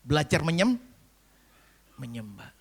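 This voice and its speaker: A man's voice: on the high side, big pitch swings, measured pace, husky. A man of sixty, a pastor preaching a sermon and telling a family story with acted-out dialogue and rising emphasis. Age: 60s.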